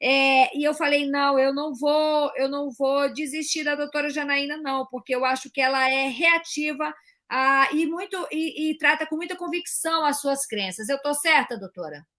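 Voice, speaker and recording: A woman projects a raised, high voice with a bright, sharp tone and ordinary pitch variation. She speaks fairly slowly, with hardly any pauses. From Brazil, Piauí backlands. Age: 40s. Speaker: talk show host. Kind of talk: interview.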